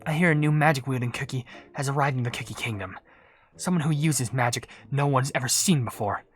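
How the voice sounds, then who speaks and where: A woman's voice: a bass voice, brisk. A woman voicing a wary, scheming minion of a villain in cartoon game dialogue. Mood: sinister, suspicious.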